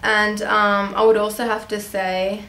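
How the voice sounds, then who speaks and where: A young woman sits in her bedroom answering viewer questions, rambling along with plenty of ums and restarts. She grew up in Australia, and Armenian is her first language. Her pitch sits mid-range, and the small room adds a clear echo. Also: level tone, unhurried, pushed and bright, a little hiss or hum. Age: young adult. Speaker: beauty vlogger. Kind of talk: casual Q&A chat.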